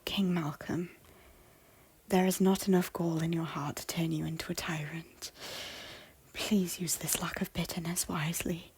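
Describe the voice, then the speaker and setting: A woman playing a guilt-ridden noblewoman in an audio drama, pleading earnestly in formal, theatrical phrases with a breathy, husky voice. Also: lowish voice, steady tone, unhurried, a little mellow, heavily acted. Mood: earnest reassurance. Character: guilt-ridden, repentant noblewoman and former schemer, earnestly hopeful. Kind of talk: audio drama acting of a Shakespeare-style story.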